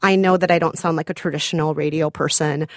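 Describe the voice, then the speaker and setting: A woman's voice: low-pitched, steady tone, quick pace, no room sound, clean studio sound. A woman with a Minnesota accent, chatting enthusiastically as a podcast guest. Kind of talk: casual interview chat.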